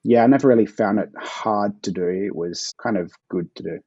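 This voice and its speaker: A man's voice: on the low side, moderate pace, warm tone, husky, dry recording, muffled recording. An Australian man being interviewed as a guest author, answering in a laid-back way with frequent chuckles.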